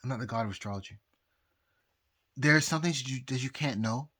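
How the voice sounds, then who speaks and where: Very drunk male vlogger, husky mid-pitched voice, halting, repetitive rambling monologue. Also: pushed and bright. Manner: halting, repetitive, losing his thread. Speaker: amateur astrologer vlogger. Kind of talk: rambling casual monologue to viewers.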